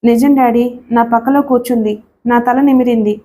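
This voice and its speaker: A woman's voice: on the high side, fairly even intonation, normal speed, mellow, close to an everyday voice. A woman voicing a young married woman who pleads tearfully and insists she is right, in a read-aloud story. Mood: tearful pleading.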